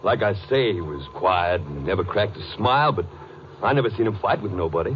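Noisy old radio western, folksy oil rig boss, Southern American drawl, swooping intonation, hesitant, easygoing. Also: male voice, low voice, lively intonation, a little fast. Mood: folksy, recollecting. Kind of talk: 1950s radio western crime drama acting. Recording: muffled, noisy 1950s radio recording.

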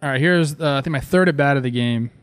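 A man in his thirties from Southern California, a former ballplayer and host, telling stories in an excited, casual way. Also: quick pace, smooth, no echo. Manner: excited, animated, talks with fillers like "man" and "boom". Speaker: former ballplayer hosting a show. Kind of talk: casual storytelling.

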